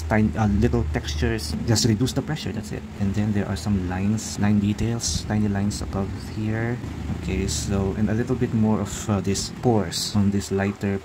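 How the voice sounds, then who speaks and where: A man with a Filipino accent talks through a drawing tutorial, pausing often with fillers and restarts. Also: lowish voice, noisy background. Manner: halting, many fillers and restarts. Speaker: art tutor. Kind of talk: real-time drawing tutorial narration.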